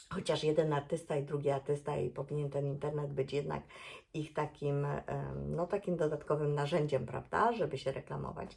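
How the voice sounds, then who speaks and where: Her very deep, low pitch carries vocal fry as this woman speaks at a moderate pace. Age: 60s. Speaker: knitting vlogger. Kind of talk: casual vlog talk. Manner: hesitant, many fillers.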